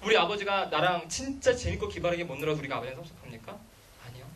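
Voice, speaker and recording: A man's voice: a little high, lively intonation, rapid-fire, a bit bright. A man giving a public lecture on parenting to a room of parents, firing rhetorical questions at the audience. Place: school lecture hall. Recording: voice picked up from a distance.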